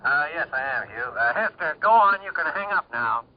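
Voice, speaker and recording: A man's voice: on the high side, lively intonation, normal speed, lightly acted. A man playing a skeptical, dryly dismissive husband with a clipped manner in a radio drama. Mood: tense. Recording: tinny, noisy old radio broadcast.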